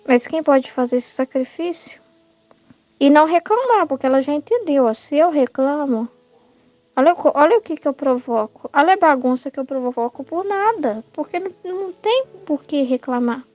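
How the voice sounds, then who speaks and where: A Brazilian woman with a high, mellow voice gives informal Catholic teaching, keeping it conversational and tagging her points with "né?". The sound is dry and a little dull, as if from a modest mic. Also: animated, normal speed, no echo. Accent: Brazilian Portuguese. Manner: conversational, keeps adding "né?", acts out quoted thoughts.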